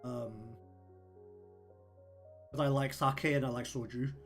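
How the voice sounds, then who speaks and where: A man with a New Zealand accent chats loosely on a livestream, wandering through his thoughts with plenty of ums and likes. His voice sits at an ordinary middle pitch, with soft lofi music playing faintly behind. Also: level tone, takes it slowly. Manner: rambling, many ums and likes. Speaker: streamer and artist. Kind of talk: casual livestream chat.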